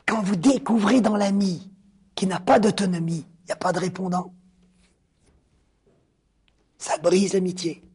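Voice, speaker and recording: A man giving a spoken philosophy lecture, drawn out and rhetorical, repeating key words and dropping suddenly into a hushed near-whisper. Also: high voice, fairly even intonation, husky. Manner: deliberate, drawn-out phrasing with sudden hushed drops.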